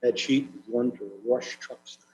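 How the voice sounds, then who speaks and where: A man's voice: mid-range voice, little pitch movement, normal speed, darkish tone, slight background noise, poor audio. A man on a county committee asking casual questions in a meeting. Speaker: committee member. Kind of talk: meeting discussion.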